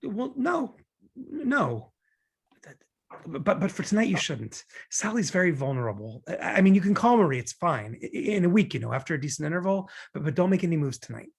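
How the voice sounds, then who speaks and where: Gravelly, neurotic everyman played by a man. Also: sits high, sing-song, brisk, full character voice. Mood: flustered, protective. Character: neurotic, awkward single man in romantic comedy. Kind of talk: table-read acting.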